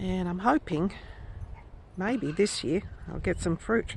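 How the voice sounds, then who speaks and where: A woman with an Australian accent, medium pitch and ordinary pitch variation. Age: old. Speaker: home gardener. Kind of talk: casual garden tour talk to camera. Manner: quiet.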